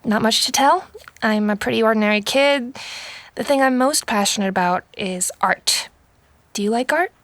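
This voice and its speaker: A woman's voice: on the high side, normal speed, fairly bright tone, no room sound, natural voice. A woman voicing an earnest, idealistic, outspoken sixteen-year-old girl in an audio drama, with a pushy, youthful manner. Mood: shy, curious. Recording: music under the voice.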